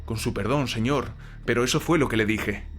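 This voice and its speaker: A man's voice: mid-range voice, moderate pace, a little hiss or hum, lightly acted. A man playing a young ex-soldier servant in a dramatized horror audiobook, frightened yet defensive and deferential to his master. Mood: indignant, disgusted. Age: young adult. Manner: deferential, repeatedly addressing his master as sir.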